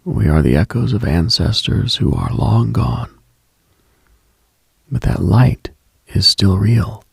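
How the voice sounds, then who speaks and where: A man hosting a late-night spiritual radio show, speaking in a hushed, breathy, reflective monologue. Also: lowish voice, expressive, slow pace, no echo, clean studio sound.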